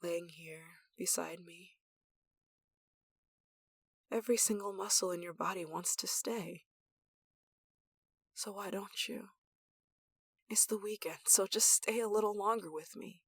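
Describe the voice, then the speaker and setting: Female actor as obsessive yandere coworker-lover. Intimate ASMR drama, sweetly threatening, breathy delivery, very dry close sound. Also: medium pitch, unhurried, pauses often, no room sound. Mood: intimate, seductive. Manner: breathy sighs and chuckles, dropping to whispers. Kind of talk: intimate ASMR roleplay acting.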